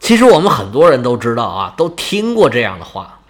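A man narrating a myth in a lively, colloquial storytelling style with chatty asides. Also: medium pitch, brisk.

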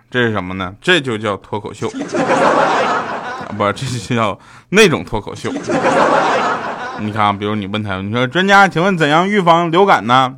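Male comic host, casual monologue, pitch swings a lot. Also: heavy background noise. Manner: animated storytelling, jumps into quoted voices. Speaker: comedy podcast host.

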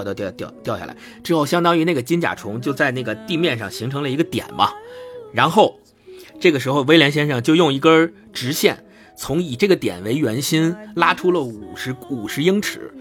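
A man casually retelling a story as a podcast host, lively and acting out the dialogue with shifting pitch.

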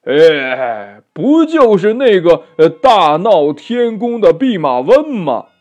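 A man's voice: high voice, sing-song, a little mellow, voice pushed up, exaggerated voice. A man voicing a boastful black demon king who drawls and mocks in a storybook reading. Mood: mocking. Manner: slow, mocking laughter.

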